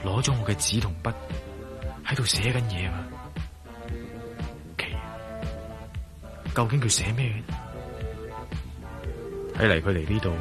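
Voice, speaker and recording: A wry, cool adventurer hero. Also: male voice, sits low. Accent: Cantonese. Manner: wry, muttering inner monologue. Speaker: lead and narrator of his own thoughts. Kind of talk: Cantonese radio drama acting.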